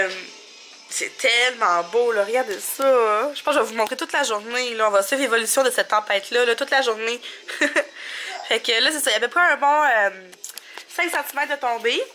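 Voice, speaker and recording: A Québécois French woman in her thirties chats casually in a rambling home vlog from her kitchen, her voice fairly high, fairly quick and sharp, with faint music behind her. She's a bit sniffly from a stuffy nose and fills her talk with fillers and little laughs.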